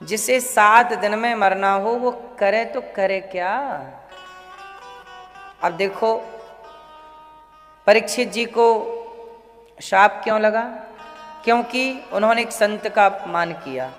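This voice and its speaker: A man's voice: high-pitched, takes it slowly, long pauses, fairly bright tone, long reverb tail, soft background music. A man giving a scripture discourse to a live audience, asking them questions and answering them himself. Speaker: spiritual preacher.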